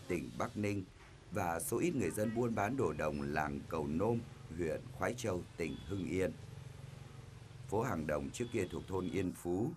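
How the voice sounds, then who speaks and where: A man reading a scripted documentary narration in a calm, measured way. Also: sits low, slight background noise. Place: voice-over studio. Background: faint music.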